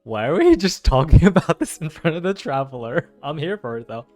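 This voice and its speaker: A young man giving casual, slangy play-through reactions as an excitable gaming fan. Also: fairly high pitch, a little fast. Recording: game music behind voice.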